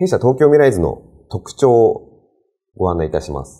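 Over a quiet background, a man with a dark, mellow tone speaks at a moderate pace, his pitch swinging very widely with vocal fry. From Japan, Ibaraki (Ushiku); Ibaraki, Japan. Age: 30s. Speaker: real estate consultant; presenter. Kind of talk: presentation. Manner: formal. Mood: polite, formal business Japanese.

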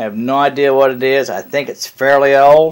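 A man speaks in an ordinary speaking voice at a medium pitch. His pace is fairly slow, over a quiet background. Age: 50s. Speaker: metal detecting vlogger. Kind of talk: casual vlog commentary. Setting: outdoors. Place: home room. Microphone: phone near.

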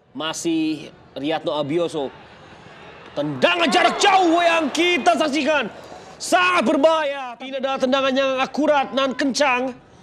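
Against noticeable background noise, a man talks at an extremely high pitch with very wide pitch swings. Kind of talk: live match commentary over highlights. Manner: animated, excitable; fast, rapid-fire play-by-play.

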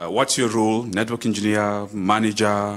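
A man speaks in an ordinary speaking voice. His pitch is fairly low and his pace moderate. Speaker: conference presenter. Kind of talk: conference talk. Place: hall. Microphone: podium.

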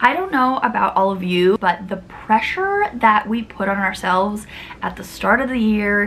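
Over light background noise, the speaker keeps a moderate pace and fairly even intonation. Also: woman. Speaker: vlogger. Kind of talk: casual vlog chat. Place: home room.

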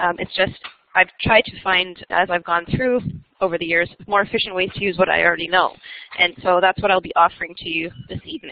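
At a fairly quick pace, the voice comes through with a dry sound, no echo and a quiet background. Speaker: teacher presenting a webinar. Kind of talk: lecture. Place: home room.

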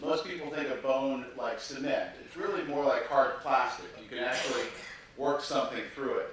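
In an American accent, the speaker keeps a moderate pace with big swings in loudness, strong room echo and light background noise. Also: man. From United States. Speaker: physician and stem cell researcher; conference presenter. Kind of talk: conference lecture. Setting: conference hall with audience. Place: hall.

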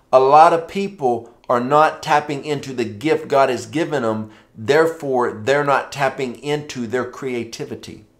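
Against a quiet background, a man with a Southern US accent talks at a fairly slow pace, his fairly high pitch showing ordinary variation. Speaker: preacher. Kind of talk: sermon. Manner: animated. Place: home room. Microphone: phone near.

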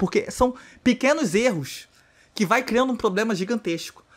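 A man talks at a moderate pace. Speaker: gaming YouTuber. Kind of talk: casual monologue to camera, video-blog style. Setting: YouTube video recorded alone.

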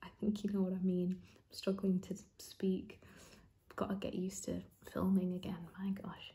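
A soft-spoken woman talks at a moderate pace with a dark, mellow tone, a somewhat breathy quality, and monotone, flat intonation. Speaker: beauty vlogger. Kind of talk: casual vlog chat. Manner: soft, hushed ASMR-style talk. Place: home room. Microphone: phone near.

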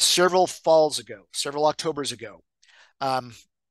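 Recorded dry with no echo and a quiet background, a man with a Midwestern American accent speaks at a fairly high pitch. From US Midwest. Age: 60s. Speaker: birder and naturalist, retired extension agent. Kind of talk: webinar presentation. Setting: video call. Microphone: webcam.

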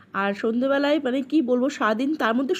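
A woman is speaking. Her pitch is high. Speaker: vlogger. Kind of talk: casual vlog talk to viewers.

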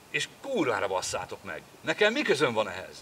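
Light background noise sits under a man speaking at a fairly slow pace. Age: 40s. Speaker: father talking about faith. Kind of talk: casual family chat about faith. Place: garden.

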